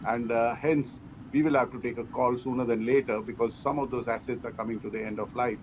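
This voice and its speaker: A man giving measured, explanatory answers as a company executive in an interview. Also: mid-range voice, fairly even intonation. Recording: clearly noisy background.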